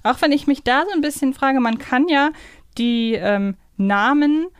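A woman's voice: high-pitched, measured pace, clear, resonant tone, no room sound. Woman, casual podcast co-host, dry close sound. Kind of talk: casual discussion of a children's audio series.

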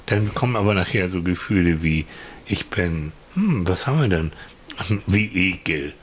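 A man with a fairly low voice chatting casually on a podcast, thoughtful and a bit halting, often repeating words as he looks for the right one. There is a faint hiss of noise behind him. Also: animated. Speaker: podcast co-host. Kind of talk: casual conversational chat.

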